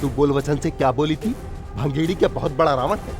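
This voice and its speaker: A man's voice: fairly high pitch, brisk, over music, natural voice. A man dubbing an arrogant, crude village strongman in a film, talking in a gloating, mocking way. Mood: menacing. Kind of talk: Hindi film dub. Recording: loud film score behind.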